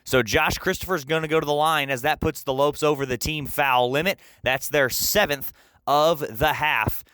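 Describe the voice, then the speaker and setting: A young man working as a sportscaster, speaking in a clear broadcast style. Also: fairly high pitch, fairly even intonation, moderate pace, sharp tone, no echo. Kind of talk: interview questions and radio basketball play-by-play.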